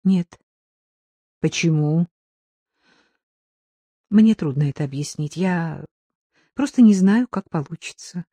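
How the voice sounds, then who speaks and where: A woman voicing a gentle, somewhat anxious young mother in an audiobook. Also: lowish voice, slow pace, pauses often, husky, dry recording, full character voice. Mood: motherly.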